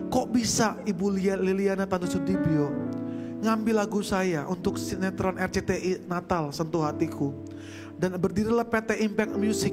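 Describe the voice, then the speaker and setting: Man, preacher, fervent testimony, high voice, instrumental music behind. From Medan, Indonesia. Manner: addresses listeners as brothers and sisters, fervent. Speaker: Christian songwriter and preacher. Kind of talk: emotional testimony sermon.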